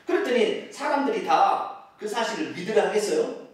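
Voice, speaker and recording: A male pastor preaching an animated sermon, calling out loudly and leading the congregation to repeat after him. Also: high-pitched, moderate pace. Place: church sanctuary. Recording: echoey church hall from far off.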